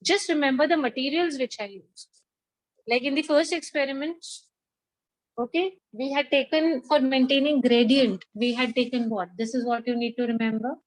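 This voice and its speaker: A woman's voice: high-pitched, moderate pace, no room sound, poor audio. A woman with a South Asian accent teaching a biology class, repeating key points and prompting students with questions. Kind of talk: interactive lecture with questions to students.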